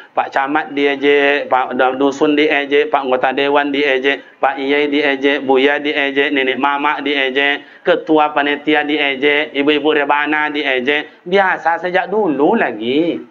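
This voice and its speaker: A man preaching a sermon to a gathering, firing off rhetorical questions and leaping up high in pitch. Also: sharp tone, dull audio.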